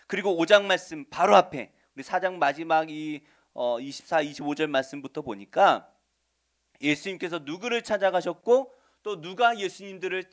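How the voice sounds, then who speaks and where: A male pastor giving a Sunday sermon, asking the congregation questions and answering them, swinging between loud stresses and soft asides. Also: fairly high pitch. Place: church sanctuary.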